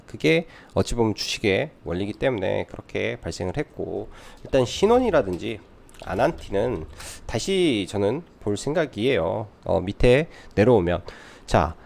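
A man's voice: on the low side, expressive, moderate pace, gravelly, a little mellow. A man giving live stock market commentary as a trading adviser, explaining things by posing questions and answering them.

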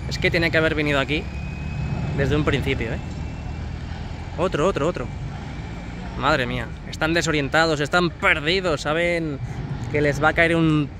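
A man's voice: fairly high pitch, normal speed, long pauses. Spanish man vlogging on a busy street. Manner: jokey, chatty, broken English with foreigners. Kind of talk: casual walking commentary. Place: outdoors on a city street. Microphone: phone held by the speaker. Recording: traffic noise outdoors.

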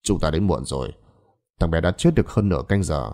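A man voicing an old exorcist who speaks low and gravely. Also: expressive, fast talker, darkish tone, exaggerated voice.

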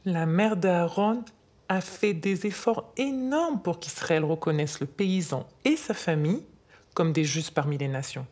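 Husky grandmother. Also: lowish voice, unhurried, a little mellow. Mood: earnest. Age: 60s. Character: grandmother patiently telling a granddaughter wartime history. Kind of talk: scripted storytelling dialogue. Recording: faint music behind.

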